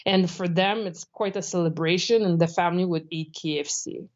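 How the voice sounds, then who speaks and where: A young woman from Canada, chatting as a guest in a remote interview. She is animated, laughs often and acts out what people said. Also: lowish voice, moderate pace, highs cut off. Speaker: guest, traveling jiu-jitsu instructor.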